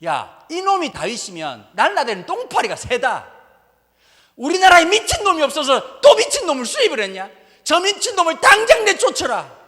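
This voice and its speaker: An imperious Philistine king, played by a preacher, bellows his scorn, high and lively, up and down in pitch. It echoes through a big hall with long reverb. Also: moderate pace, creaky, full character voice. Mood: scornful. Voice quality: bellowing, contemptuous.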